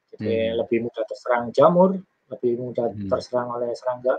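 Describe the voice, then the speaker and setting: A man speaking at a fairly quick pace. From Surabaya, East Java, Indonesia. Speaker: agronomist / apple farming expert. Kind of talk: online Q&A answers. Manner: hesitant, many fillers.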